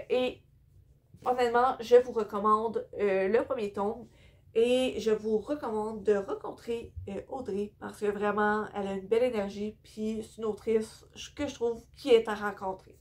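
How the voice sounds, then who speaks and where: Chatty young Québécoise, slow and hesitant. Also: female voice, a little high, darkish tone. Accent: Québécois French. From Quebec. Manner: chatty, hesitant, many fillers, tired. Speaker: book vlogger. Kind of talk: casual book haul vlog. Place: indoor room with bookshelves.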